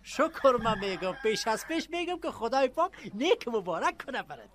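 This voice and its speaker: A man's voice: very high voice, big pitch swings, background noise. An actor playing a folksy, good-hearted Afghan village man in a radio drama, effusive and colloquial, full of blessings and pet phrases. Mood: effusive, admiring.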